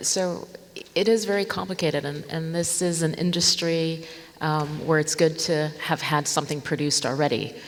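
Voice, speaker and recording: A woman's fairly low voice with an American accent, fairly even intonation and a moderate pace. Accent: sounds American. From Israel. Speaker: TV producer and consultant. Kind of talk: panel discussion.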